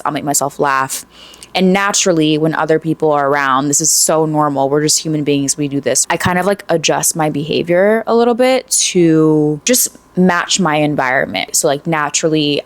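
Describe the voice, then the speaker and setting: Casting: low-pitched woman vlogger, late 20s, earnest and chatty, voice wearing thin, dry close sound. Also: dry recording. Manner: relaxed and earnest, with frequent "like" and "right?". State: losing her voice. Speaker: lifestyle vlogger. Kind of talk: casual advice monologue to camera.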